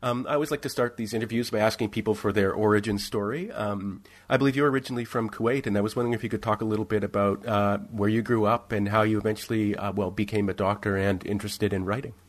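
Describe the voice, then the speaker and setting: A man hosting a podcast, introducing his guest and asking curious, halting questions. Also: lowish voice, fairly even intonation. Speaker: podcast host. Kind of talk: interview hosting.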